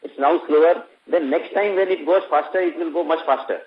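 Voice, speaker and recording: Husky Indian man on a tinny phone line. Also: a little high, a little fast. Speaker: company executive answering investor questions. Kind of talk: earnings conference call answer. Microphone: conference call phone line. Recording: muffled, very narrow phone-line audio.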